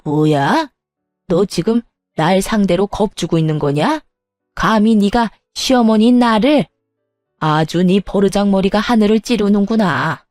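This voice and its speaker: A woman's voice: medium pitch, measured pace, darkish tone, dry recording, studio quality, faint music behind, close to an everyday voice. Woman voicing a domineering scolding mother-in-law. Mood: furious. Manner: domineering, contemptuous. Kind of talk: dramatized story voicing.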